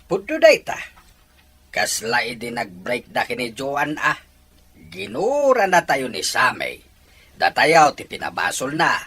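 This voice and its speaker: A man acting as a scheming husband and father in an amateur audio drama, with a husky voice. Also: mid-range voice, wildly swooping pitch, measured pace, bright, forceful tone, full character voice. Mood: sly, pleased.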